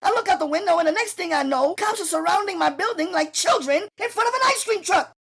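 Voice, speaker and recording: A man doing a brash high New woman. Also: expressive, a bit bright. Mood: frantic. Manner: brash, rapid-fire, indignant. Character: tough streetwise young New York woman. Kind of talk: audiobook character voice.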